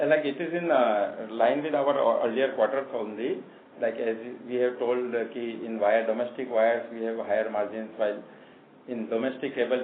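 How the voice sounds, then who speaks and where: A man, a company executive answering analysts' questions on an earnings call and pausing often with fillers. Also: medium pitch. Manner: hesitant, many fillers and restarts. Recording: echoey phone line with faint noise.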